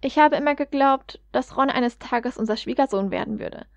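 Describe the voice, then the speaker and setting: A gently probing middle-aged mother, as a woman reader puts her on, speaks softly with a voice set a little high. The recording sounds dry and somewhat dull, as from a home storytelling upload. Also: moderate pace, dry recording. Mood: concerned.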